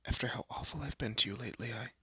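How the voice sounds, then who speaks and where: A man playing a haughty but secretly soft young elf prince in a scripted roleplay audio drama, with a pompous, formal manner and a breathy, often hushed voice. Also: mid-range voice, racing, no echo, exaggerated voice. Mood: flustered, moved. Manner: pompous, formal, flustered stammering.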